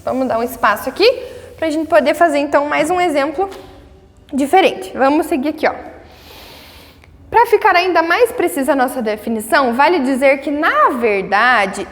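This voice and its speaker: A Brazilian woman teaching a grammar lesson, patiently checking in with her students and sounding out words slowly syllable by syllable. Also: sits high, big pitch swings, long reverb tail. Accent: Brazilian Portuguese. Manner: patient, checks in often with tags.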